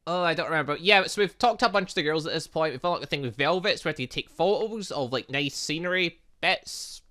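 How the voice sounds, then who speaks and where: A man with a fairly high, sharp and bright voice commentates on a game in a casual let's play style. He is talkative and rambling, often breaking off his own sentences to start again. It sounds like an informal YouTube gaming session. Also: fast talker. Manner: chatty, rambling, self-interrupting.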